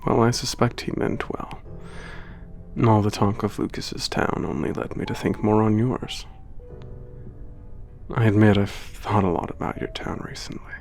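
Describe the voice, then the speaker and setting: A man voicing a gentle, melancholy giant protector, soft-spoken and formal, who narrates in a reflective, often whispered voice. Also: fairly low pitch, fairly even intonation, normal speed, soft background music, natural voice. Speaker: narrator of letters home. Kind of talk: ASMR audio drama narration.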